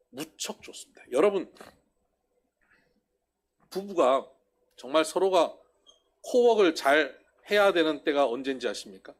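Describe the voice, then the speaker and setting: A man preaching a sermon lecture, putting rhetorical questions to the congregation and acting out quoted speakers in a raised voice. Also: fairly high pitch. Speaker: pastor.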